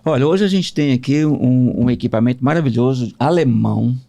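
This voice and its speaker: A man's voice: medium pitch, fairly quick, creaky, dark tone. Jokey man hyping a product. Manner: jokey, salesman-like hype. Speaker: podcast co-host. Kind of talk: playful promotional banter.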